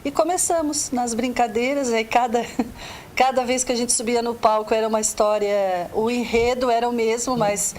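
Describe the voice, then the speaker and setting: A woman with a Southern Brazilian accent tells stories with a slightly high voice, stopping and restarting as she goes. She talks like a teacher chatting on a talk show. A faint low rumble sits under her voice. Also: steady tone, normal speed, darkish tone. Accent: Southern Brazilian Portuguese. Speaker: teacher and arts coordinator. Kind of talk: casual talk show interview.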